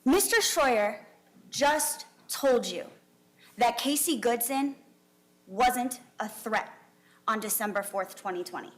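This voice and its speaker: Higher-pitched woman defense attorney. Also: expressive. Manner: deliberate, formal, pausing between phrases. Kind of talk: courtroom opening statement to a jury.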